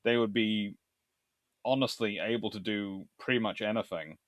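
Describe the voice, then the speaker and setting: A man's voice: on the low side, fairly even intonation, moderate pace, dry recording. Man chatting, dry close recording. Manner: rambling, discursive, thinking aloud. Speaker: host, history lecturer. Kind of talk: live stream chat, answering viewer questions.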